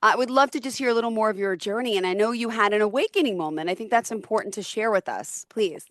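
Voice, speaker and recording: A bubbly woman hosts a podcast interview, gushing over her guest with leaps in her voice. She speaks at an average pitch for a woman. The recording is dry and close. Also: fast, dry recording. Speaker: podcast host. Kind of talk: interview hosting.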